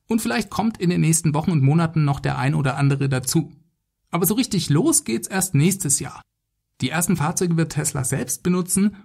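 A man's voice: a little high, gravelly, darkish tone. A man hosting a solo podcast, giving semi-scripted commentary in a conversational way, speaking directly to his listeners. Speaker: podcast host.

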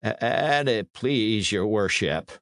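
A man's voice: fairly low pitch, expressive, slow pace, fairly bright tone, no room sound, studio quality. A man voicing a poor, cringing old peasant in a storybook, servile and pleading as he protests. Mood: timid, servile.

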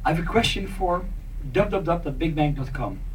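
Middle-aged male presenter, fairly high voice, playful informal live skit, recorded from afar. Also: expressive, brisk. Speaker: session presenter acting out an internet provider. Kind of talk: live conference skit, semi-improvised. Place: small conference meeting room. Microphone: handheld mic, filmed from audience. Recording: distant, noisy conference room recording.

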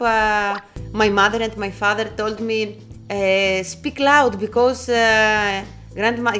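Loud-voiced woman from Greece, casual co-host, hesitant English, faint background music. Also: medium pitch. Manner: loud voice, hesitant non-native English with many fillers. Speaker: co-presenter. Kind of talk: casual chat at a motor show. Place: busy indoor motorcycle exhibition hall. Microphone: clip-on mic worn by co-presenter.

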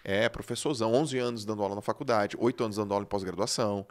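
A man hosting a podcast, telling a personal story in an animated way that swings between loud and hushed, with some casual swearing. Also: fairly low pitch, rapid-fire. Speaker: podcast host.

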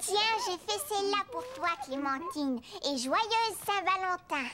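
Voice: very high-pitched, lively intonation, unhurried, very noisy. A performer voicing a cheerful, curious four-year-old boy in a children's cartoon, with simple childlike phrasing. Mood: happy. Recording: music behind.

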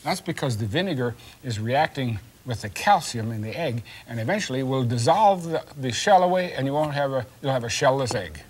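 A man's voice: medium pitch, animated, brisk, few pauses. An older man hosting a children's science show, patiently asking questions and explaining an experiment in a kitchen set. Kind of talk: teaching a child.

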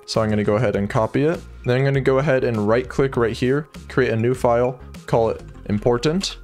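A young man hosting a coding tutorial, walking through each step in a steady, plain manner, recorded on a desk mic in a small home studio. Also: mid-range voice. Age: young adult. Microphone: seen studio desk mic on arm.

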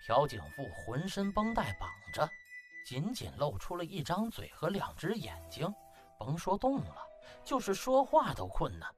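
A man's voice: fairly high pitch, huge pitch swings, normal speed. A man narrating a comic novel as a dramatized audiobook. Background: music.

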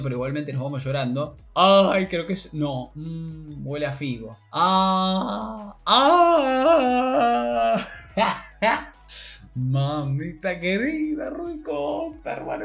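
Young man, Argentine accent, excitable gaming commentary, slangy, slightly high voice, faint background music. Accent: Argentine Spanish. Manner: excitable, slangy, swings between mutters and shouts. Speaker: gaming YouTuber. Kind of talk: pack-opening commentary.

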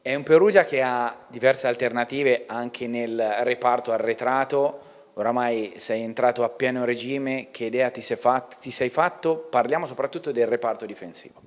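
A man's voice: mid-range voice, normal speed. A man in his thirties, a sports interviewer asking chatty, leading questions. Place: indoor club museum room. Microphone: handheld mic. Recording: room with long reverb.

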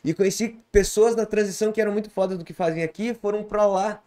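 Casting: man in his thirties, fairly high voice, loose slangy rambling podcast talk, close boom mic in a small studio. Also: steady tone, fast, mellow. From Santa Catarina, Brazil. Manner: slangy, rambling, many fillers and restarts; gestures a lot with his hands. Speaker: podcast guest, comedian and producer. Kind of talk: casual podcast conversation.

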